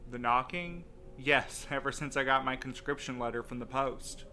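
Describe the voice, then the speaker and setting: An actor playing a stubborn, devoted courier in an audio drama, insistent and questioning. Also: male voice, mid-range voice, normal speed, sharp tone, slight background noise. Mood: confused, hurt. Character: stubborn, devoted young courier desperate to keep his loved one.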